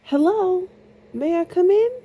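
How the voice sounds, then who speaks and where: A woman's voice: very high-pitched, measured pace, muffled recording, pitched above the performer's own voice. A woman voicing Snow White, a sweet young fairy-tale princess, with a dainty, sing-song storybook delivery. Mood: polite, calling out.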